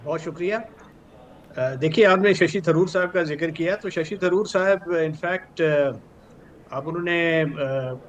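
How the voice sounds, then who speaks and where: An older man with a Pakistani accent gives formal, measured news analysis as a guest expert, dropping in English terms. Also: fairly high pitch. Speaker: retired brigadier, news analyst. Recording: clearly noisy with background ambience.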